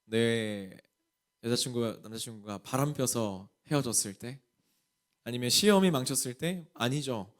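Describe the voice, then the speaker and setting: A man's voice: medium pitch, moderate pace. A male pastor from Jeolla with a Jeolla accent, preaching a sermon to a young adults group and asking the congregation many questions. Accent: Jeolla Korean. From Jeolla region, Korea.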